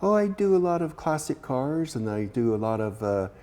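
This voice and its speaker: A man's voice: medium pitch, very animated, normal speed, a little mellow. A man, a volunteer camera operator, answering interview questions in a studio, plain and modest with many hesitant fillers. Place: community TV studio.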